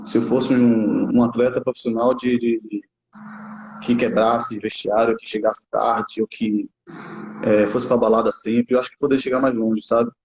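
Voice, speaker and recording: A Brazilian man in his thirties chats about his football career in a loose, halting way, often restarting phrases and tacking on tag questions. He speaks at a middle pitch. The recording is muffled and lo-fi. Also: little pitch movement, darkish tone, slight background noise. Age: 30s. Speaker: youth football coach, former player. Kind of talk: casual interview talk. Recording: muffled lo-fi sound.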